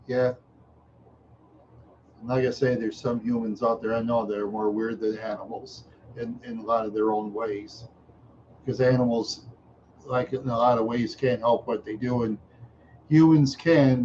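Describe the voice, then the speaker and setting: An older man drifts through a slow, repetitive livestream chat, tired and a little unwell. He often trails off into soft chuckles. The sound is dull and lo-fi, with a faint hiss underneath. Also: medium pitch. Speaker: livestream host. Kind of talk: rambling casual livestream chat. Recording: dull lo-fi stream audio with faint noise.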